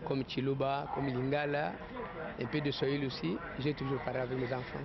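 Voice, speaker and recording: A man's voice: medium pitch, flat delivery, brisk, gravelly. A man, a father, speaking plainly about home life in a street interview. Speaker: parent interviewee. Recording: dull lo-fi street recording with crowd.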